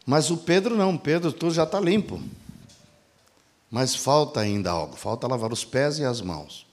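A man's voice: lively intonation, normal speed, a little mellow. A man preaching a sermon, posing rhetorical questions to the congregation and answering them himself, and acting out quoted dialogue. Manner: acts out quoted dialogue with shifts in pitch and pace.

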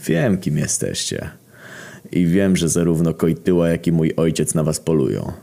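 A man voicing a suave, smirking male devil who owns a nightclub, speaking low, slow and silky. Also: very animated, gravelly, mellow, exaggerated voice. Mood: silky menace.

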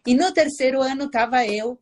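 A woman from Argentina, a psychiatrist guest on a video call, telling her story in a warm, animated way. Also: sits high, normal speed. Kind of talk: casual interview storytelling.

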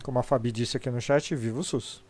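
A man's voice: mid-range voice, steady tone, quick pace, a little mellow, no room sound. A middle-aged Brazilian man with a congested, sniffly voice from a cold, chatting casually and opinionatedly on a live stream in informal, sweary Brazilian Portuguese speech.

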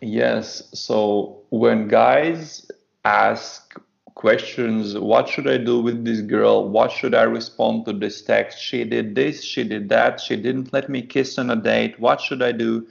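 A man's voice: medium pitch, steady tone, takes it slowly, creaky. A man from Latvia, a native Latvian speaker, talking matter-of-factly as a podcast guest and often repeating words as he starts a sentence. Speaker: podcast guest, dating coach. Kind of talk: casual podcast chat. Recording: dull lo-fi podcast audio.

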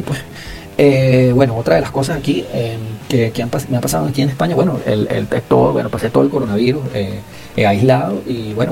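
A young Venezuelan man hosting a podcast, telling stories in slangy, animated casual Spanish. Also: mid-range voice, creaky. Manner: slangy, animated, acts out dialogue. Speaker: podcast host. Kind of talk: casual storytelling.

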